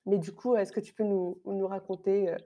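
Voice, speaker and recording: Hesitant woman host, mellow voice. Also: medium pitch, level tone, moderate pace. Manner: hesitant, many fillers, laughs. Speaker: podcast host. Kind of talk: casual interview.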